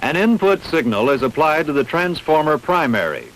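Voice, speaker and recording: A man reading scripted instructional narration in a measured, didactic, carefully enunciated way. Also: fairly high pitch, big pitch swings, poor audio. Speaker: training film narrator.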